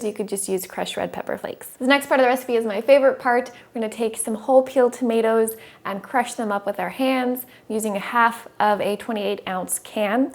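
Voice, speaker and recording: A young woman in her twenties hosting a casual cooking video in her home kitchen, chatty and upbeat as she explains each step. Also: a little high. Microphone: small lapel mic.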